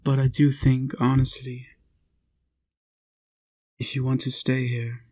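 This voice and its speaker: A man acting as an ageless, youthful vampire speaks slowly and deliberately, in a very even tone. He coaxes tenderly and possessively, as if to one listener in an intimate roleplay audio. His pitch is middling and barely moves. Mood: coaxing, solemn. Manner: coaxing, deliberate, pausing between short phrases.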